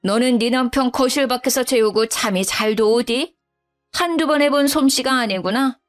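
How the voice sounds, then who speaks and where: At a normal pace, with faint music underneath, a woman voices a domineering older mother-in-law in a voice close to her everyday one. She scolds her daughter-in-law in a shrill, condescending way, talking down to her.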